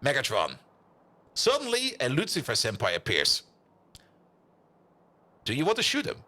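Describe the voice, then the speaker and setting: A man live-streaming a game and chatting casually with viewers, rambling excitably and repeating his words. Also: medium pitch, normal speed. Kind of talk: casual chat with viewers while gaming.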